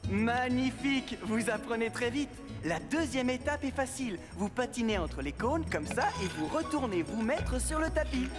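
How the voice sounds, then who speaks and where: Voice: medium pitch, lively intonation, moderate pace, over music, lightly acted. A performer playing a patient male children's skating instructor in a cartoon, with an encouraging, instructional manner. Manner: encouraging, clear instructional delivery.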